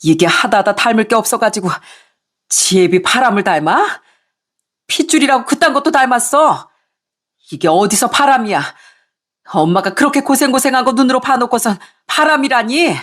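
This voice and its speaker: A woman voicing an angry middle-aged mother-in-law who scolds and nags in a shrill voice. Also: animated, a bit bright. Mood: outraged. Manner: shrill, scolding, rapid nagging.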